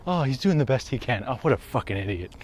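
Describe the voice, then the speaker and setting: A man's voice: medium pitch, animated, fast talker. Man, thirties, casual walking vlog, outdoors on a street, handheld camera, chatty, swears. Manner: chatty, swearing, laughs at himself. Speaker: wellness vlogger. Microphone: handheld camera at arm's length.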